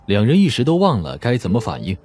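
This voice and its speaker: A man's voice: mid-range voice, wildly swooping pitch, quick pace, a little mellow, faint music behind. A man narrating a novel in a scripted, dramatic audiobook style.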